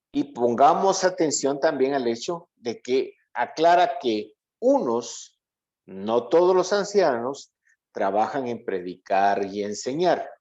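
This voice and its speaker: A man's voice: mid-range voice, a little mellow. A man giving an interactive Bible lesson to a congregation, explaining didactically and often checking understanding with short questions. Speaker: church Bible teacher. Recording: dull, lo-fi, muffled audio.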